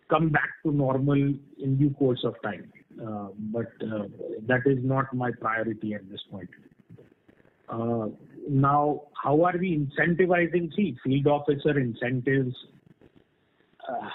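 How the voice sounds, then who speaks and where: A company executive with a mid-range voice explains himself frankly and spontaneously while answering analysts' questions in an earnings call Q&A. He often checks understanding with "right?", and the call line is muffled and band-limited.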